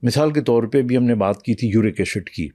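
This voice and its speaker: Man explaining calmly, warm dark voice. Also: medium pitch, no echo, studio quality. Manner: patient, explaining, with fillers and pauses. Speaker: internal medicine doctor, podcast guest. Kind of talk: explanatory interview talk, mixing in English.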